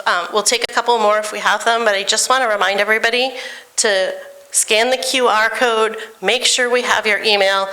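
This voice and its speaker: A woman organizer addressing a public meeting, explaining plans in a slightly halting, informative way. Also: mid-range voice, pushed and bright, low-quality recording. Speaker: event organizer.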